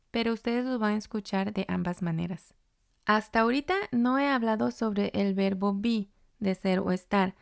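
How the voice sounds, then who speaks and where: A woman teaching English grammar, patient and deliberate, going over each example step by step. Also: mid-range voice, a little mellow, clean tone, no echo, studio quality. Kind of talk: instructional explanation.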